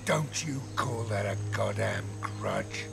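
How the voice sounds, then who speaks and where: An actor playing a bitter, ruthless older male mercenary in a video game, gruff and profane with a gravelly voice. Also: fairly low pitch, huge pitch swings, takes it slowly, heavily acted. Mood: vengeful anger. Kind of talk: cinematic video game acting. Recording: dramatic music behind the voice.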